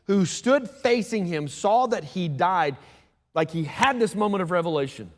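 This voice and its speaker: A man preaching a sermon as pastor, talking fast and conversationally with asides to the congregation. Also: high-pitched, animated. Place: church sanctuary. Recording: long church hall reverb.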